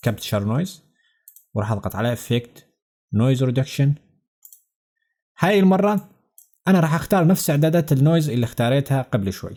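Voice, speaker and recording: A man with a Levantine Arabic accent talks viewers through a screencast lesson at a very rapid pace. His voice sits slightly on the low side, and he explains each step conversationally, speaking straight to the audience. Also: dark tone. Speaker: software tutorial instructor. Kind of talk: instructional screencast narration, step by step.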